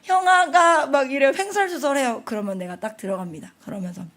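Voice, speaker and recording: A woman's voice: fairly high pitch, fast talker. A young woman preaching at a family prayer service, telling a story and acting out the voices of small children. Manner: animated, acts out children's voices.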